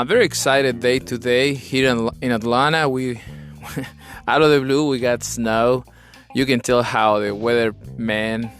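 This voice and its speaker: A man from Chile with a Chilean Spanish accent, a native Spanish speaker, hosting a conversational leadership podcast in an earnest, instructive way. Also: medium pitch. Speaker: podcast host.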